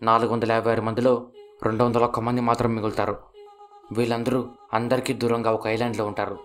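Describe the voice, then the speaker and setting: A man with a Telugu accent narrating a series plot in a quick, steady scripted telling. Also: medium pitch, over music. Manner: fast, flat, steady telling.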